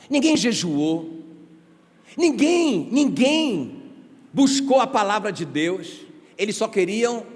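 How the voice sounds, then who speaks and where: A male pastor with a fairly high voice preaches a sermon in a church sanctuary, animated and conversational, with plenty of rhetorical questions and joking asides. The sound echoes like a reverberant church hall.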